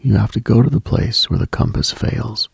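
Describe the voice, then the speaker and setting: A man hosting a late-night mystical radio monologue in a hushed, musing, ASMR-like way, with frequent pauses and a husky, breathy, gravelly voice. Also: mid-range voice, steady tone, no room sound, clean studio sound. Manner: hushed, musing, pausing often.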